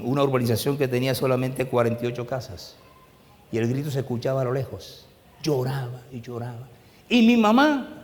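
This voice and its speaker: A male pastor preaching a sermon, telling a story in a hushed voice and then rising to loud, emphatic preaching. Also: mid-range voice, long reverb tail. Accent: Latin American Spanish. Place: church hall.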